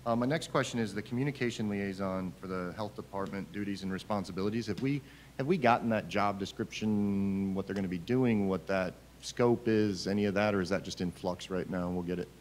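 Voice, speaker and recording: Middle-aged male board official, rapid talker, lowish pitch, slightly noisy meeting room. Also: darkish tone. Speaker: school board vice chair. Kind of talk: questioning at a public board meeting. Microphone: table gooseneck or stand microphone.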